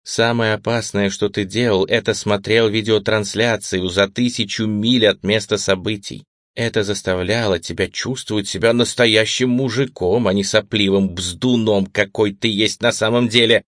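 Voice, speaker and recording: A man's voice: lowish voice, steady tone, moderate pace, fairly bright tone, no room sound, studio quality, natural voice. Man voicing a cold, mocking female agent. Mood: contemptuous. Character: hard, sarcastic female agent interrogating a man. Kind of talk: audiobook reading.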